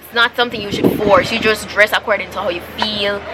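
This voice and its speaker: A woman with a fairly high voice talks while noticeable noise runs in the background. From Jamaica. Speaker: vlogger. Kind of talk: casual Q&A vlog. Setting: outdoors in public.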